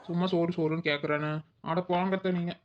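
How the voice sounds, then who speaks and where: A quick, whiny young daughter-in-law in a cartoon, voiced by a performer, often muttering to herself. The recording sounds dull and lo-fi. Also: mid-range voice, fairly even intonation, background noise, close to an everyday voice. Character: young village daughter-in-law, hungry and exasperated. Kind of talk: cartoon voice acting.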